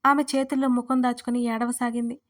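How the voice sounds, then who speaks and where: A woman hosting and narrating a serialized audio story in a steady reading voice. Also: fairly high pitch, fairly quick.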